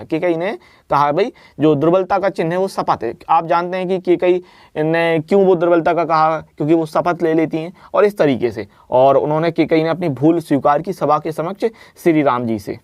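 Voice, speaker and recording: A man's voice: a little high, dry recording. Man explaining exam answers, dry sound. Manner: explanatory, repeats "ठीक है ना" often. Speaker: teacher. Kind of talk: exam-prep lesson walkthrough.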